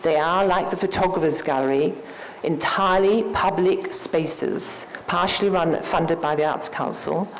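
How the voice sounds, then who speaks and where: A woman with an Australian accent and a fairly low pitch is heard with audible room echo and noticeable background noise. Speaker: gallery director. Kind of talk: lecture.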